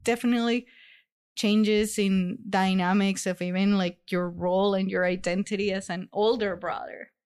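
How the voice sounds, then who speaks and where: A woman's voice: medium pitch, steady tone, normal speed, a little mellow, clear, resonant tone. A woman with a mid-range voice talks through her ideas on a conversational podcast. She hesitates often and fills the gaps with "like" while she thinks. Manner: hesitant, frequent "like" fillers. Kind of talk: reflective conversation.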